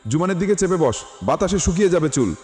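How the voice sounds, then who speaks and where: A man's voice: high-pitched, lively intonation, fast, darkish tone, pitched above the performer's own voice. A man voicing a strict, bossy young man in a storybook, scolding and giving orders. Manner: scolding, commanding. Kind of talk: storybook character voice. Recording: reverberant with music behind.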